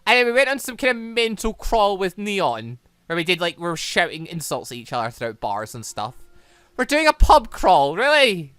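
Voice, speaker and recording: A man's voice: high voice, big pitch swings, normal speed, a bit bright, clean tone, no room sound. A man giving casual, rambling let's-play commentary on a visual novel, chatting and reading dialogue aloud as the channel's host.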